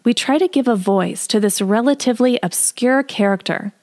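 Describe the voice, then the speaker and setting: A woman's voice: fairly high pitch, moderate pace, a little mellow. A woman presenting an audio drama podcast, reading a scripted introduction.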